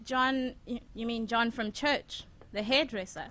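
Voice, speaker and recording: A woman's voice: a little high, unhurried, fairly bright tone. A woman playing a caring young student, a chatty and protective big sister, in an audio drama. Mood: concerned.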